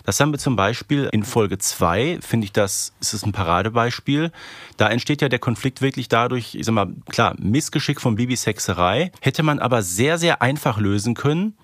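Guy co-hosting a podcast, normal pitch, chatting things through, very dry sound. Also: expressive, moderate pace, fairly bright tone, no room sound. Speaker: podcast co-host. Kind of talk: casual analytical chat. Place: close, dry podcast recording.

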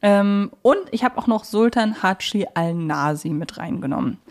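A woman's voice: mid-range voice, expressive, normal speed. A woman co-hosting a casual fan podcast, thinking aloud as she chats. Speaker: podcast co-host.

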